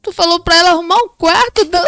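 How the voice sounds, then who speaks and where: A woman talks as a podcast guest, with a high voice. She speaks animatedly and acts out the voices of people she quotes. The recording is dry and close, with faint music behind. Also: brisk, fairly bright tone, no echo. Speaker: podcast guest, child protection counselor. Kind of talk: casual conversation.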